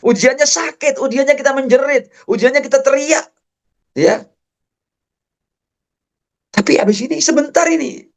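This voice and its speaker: A man giving a public religious lecture. He quotes Arabic verses slowly, then explains them, swinging between high emphatic peaks and low, slow explanations. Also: vocal fry. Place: lecture hall.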